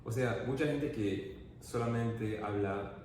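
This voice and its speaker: A man's voice: medium pitch, takes it slowly, a little mellow. Hesitant male interviewer in an echoey room. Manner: thoughtful, hesitant, many fillers. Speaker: interview host. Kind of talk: casual interview. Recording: roomy, distant mic with clear background noise.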